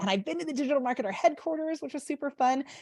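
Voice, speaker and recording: A woman with an animated tone and lively intonation. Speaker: marketing trainer, former musical theater performer. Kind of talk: online workshop presentation. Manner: fast.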